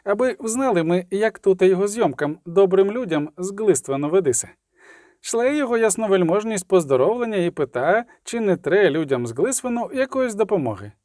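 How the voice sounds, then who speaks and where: A swaggering outlaw with a rough, folksy tongue, as a male reader puts him on. He swings his lively voice high and low while bluffing his way through, and the sound is close and dry. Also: a little fast, no room sound. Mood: falsely hearty. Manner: boastful, rough folksy slang. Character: brash swaggering male outlaw, smooth liar.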